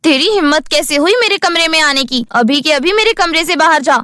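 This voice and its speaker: Woman as bratty rich girl, high-pitched, hostile, snobbish, cartoon story. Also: expressive, brisk, sharp tone, dry recording, studio quality. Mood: angry contempt. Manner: rude, contemptuous.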